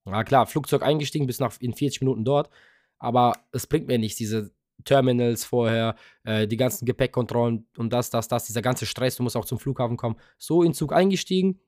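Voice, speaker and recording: A man's voice: mid-range voice, fairly quick, a little mellow, no room sound, studio quality. A young man co-hosting a podcast, telling a long casual story with lots of fillers and offhand swearing. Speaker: podcast co-host. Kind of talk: casual chat.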